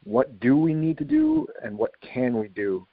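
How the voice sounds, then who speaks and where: A man hosting a podcast interview, relaxed and casual in how he phrases his questions. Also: mid-range voice, measured pace, no room sound, narrow, tinny audio. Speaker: podcast host.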